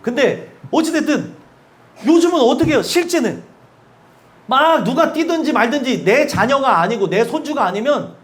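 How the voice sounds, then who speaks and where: A male pastor preaching a sermon in a church, animated, asking the congregation questions and laughing between points. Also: extremely high pitch, moderate pace. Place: church sanctuary.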